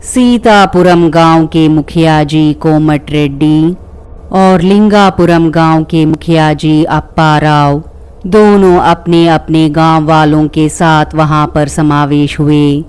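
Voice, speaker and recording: Slow, clear storyteller for a spooky folk tale, dramatic and repeats lines for effect. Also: medium pitch, fairly even intonation, darkish tone, soft background music. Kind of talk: scripted horror story narration.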